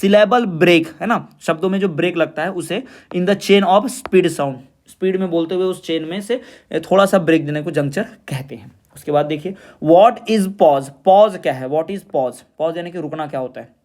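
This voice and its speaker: A man teaching an exam revision lesson. He explains in Hindi, reads definitions slowly in English, and asks and answers his own questions. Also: high-pitched, a little mellow.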